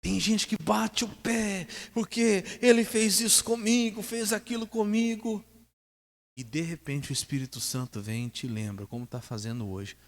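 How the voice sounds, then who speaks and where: A man's voice: high voice, moderate pace. A man with a Brazilian Portuguese accent preaching a sermon as pastor, emphatic, putting questions to the congregation and swinging his voice up and down. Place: church hall. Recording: echoey hall reverb.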